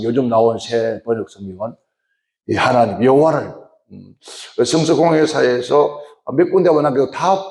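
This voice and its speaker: A man's voice: medium pitch, a little mellow. A man preaching a Sunday sermon as pastor. He talks emphatically, repeating phrases and asking rhetorical questions. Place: church sanctuary. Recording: roomy church echo.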